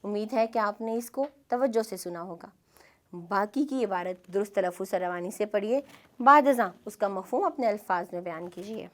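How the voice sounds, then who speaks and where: A woman with a Pakistani Urdu accent, teaching a scripted classroom lesson in a clear, measured way. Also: mid-range voice. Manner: clear, measured instructional delivery.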